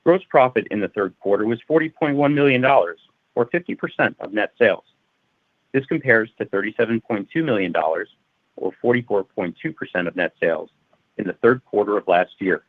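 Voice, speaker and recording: A man's voice: lowish voice, lively intonation, brisk, no room sound. A male finance executive reading prepared financial results in a formal, methodical way. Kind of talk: prepared financial results presentation, read aloud. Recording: narrow-band phone conference line.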